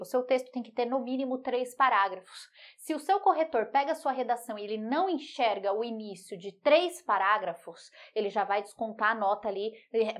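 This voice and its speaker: A young woman with a fairly high voice gives an online writing lesson. She talks straight to her students in a lively, teasing way and keeps checking that they follow. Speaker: Portuguese writing teacher.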